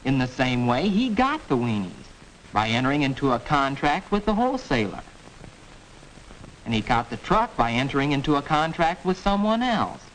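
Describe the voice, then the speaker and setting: A young man playing a high school student patiently explaining a point, in 1940s educational film acting, on a hissy old film soundtrack. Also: very animated, moderate pace, fairly bright tone, low-quality recording.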